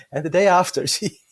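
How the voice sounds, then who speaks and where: This guest is a man in his fifties, a Buddhist monk and teacher from western Norway with a Norwegian accent, speaking in a casual interview. He hesitates, hunts for words and chuckles frequently, his voice high-pitched and fairly bright with no room sound.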